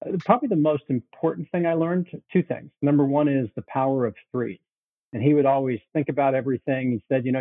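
A man in his sixties who grew up in Chicago, answering interview questions with steady, orderly storytelling. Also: mid-range voice, no room sound. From Chicago, USA. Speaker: guest cofounder. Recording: tinny phone-like line, dry.

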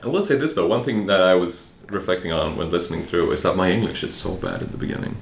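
Deep-voiced Swedish man, teasing co-host. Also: expressive, fast. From Sweden. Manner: teasing, leads the segments. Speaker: podcast co-host. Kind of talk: casual chat. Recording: roomy echo, faint noise.

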